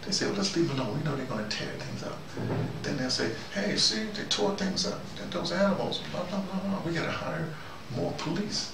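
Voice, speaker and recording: An older man with a gravelly voice giving a rambling, conversational spoken commentary, circling back and repeating words as he goes. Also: fairly high pitch, fairly quick. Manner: digressive, repeats words, conversational, animated asides. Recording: roomy, distant mic, noticeable background noise.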